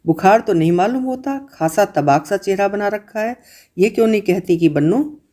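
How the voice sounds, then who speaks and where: Stern housemother, scolding, raised pitch, mellow tone, woman voicing her. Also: animated, normal speed, natural voice. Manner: scolding, sharp exclamations. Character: stern, fussy mother of the house.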